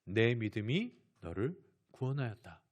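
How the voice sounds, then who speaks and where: A man voicing a calm male teacher speaking gently and quietly. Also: medium pitch, a little slow, pitched below the performer's own voice. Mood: calm gentle.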